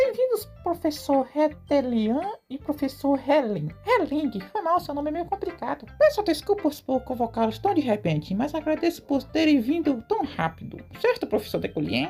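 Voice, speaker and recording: A put-on character voice, high-pitched and at a moderate pace, with clear music in the background. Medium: read story. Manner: polite, formal.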